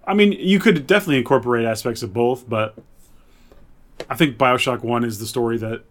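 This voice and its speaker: A man's voice: mid-range voice, brisk. A man hosting a podcast, chatting casually about games and films as he reads out and reacts to suggestions. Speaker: podcast host.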